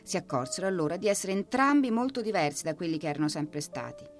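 A woman reads a storybook aloud, expressive and lilting. Her pitch rises and falls widely. Faint music plays underneath. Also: fast. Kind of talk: storybook reading.

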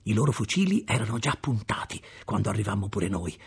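A man reading a novel aloud with expressive, dramatic storytelling. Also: fairly low pitch, fairly quick, vocal fry. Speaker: audiobook narrator. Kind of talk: scripted narration.

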